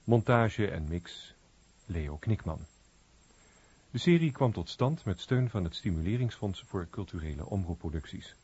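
A man's voice: sits low, lively intonation, unhurried, a little mellow, husky. A man reading a scripted radio announcement and programme credits. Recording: dull muffled radio recording.

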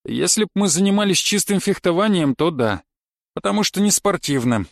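A man's voice: high-pitched, lively intonation, brisk, creaky, no echo, clean studio sound. A man voicing a pedantic male knife-fighting coach who lectures dryly and thoroughly in an audiobook. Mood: lecturing. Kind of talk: audiobook character reading.

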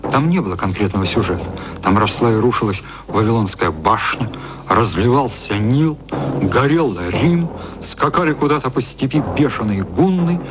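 An actor narrating a satirical radio play as a composed, dry storyteller reading literary prose. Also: male voice, mid-range voice, animated, normal speed, background noise, close to an everyday voice. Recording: music under the narration.

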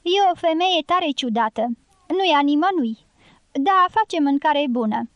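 A woman's voice: sits high, expressive, no room sound, muffled recording. A woman reading the part of a cheeky, teasing male gypsy guerrilla in an audiobook. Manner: teasing, provoking.

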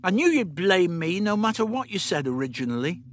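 A man's voice: high voice, very animated, fairly quick, slight background noise, pitched above the performer's own voice. A man voicing a fretful young woman with a cold, speaking in a sniffling, plaintive way.

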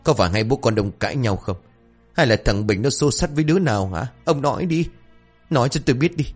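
A man's voice: mid-range voice, lively intonation, fast talker, breathy edge, faint music behind, pitched above the performer's own voice. A man voicing a distraught middle-aged village mother who pleads in a choked, rising voice. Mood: distraught pleading.

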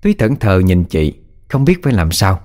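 A man reading a scripted horror story in a dramatic, expressive way. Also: sits low, normal speed.

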